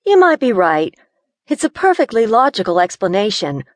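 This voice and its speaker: A woman voicing a feisty young city woman who is claustrophobic and quick to panic. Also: mid-range voice, sing-song, no room sound, pitched above the performer's own voice, lightly acted. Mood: nervous, sassy. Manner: jumpy, sassy, quick to panic.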